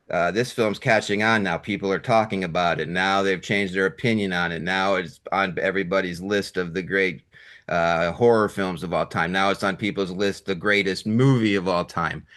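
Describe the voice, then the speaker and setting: Lowish-voiced man interviewing as host. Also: a bit bright. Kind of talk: enthusiastic film interview questions.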